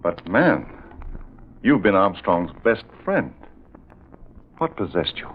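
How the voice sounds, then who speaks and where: A man's voice: low-pitched, big pitch swings, slow pace, husky, exaggerated voice. An actor playing a puzzled, questioning man at an investigation, in old-time radio drama style. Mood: puzzled, concerned. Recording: noisy, tinny vintage radio recording.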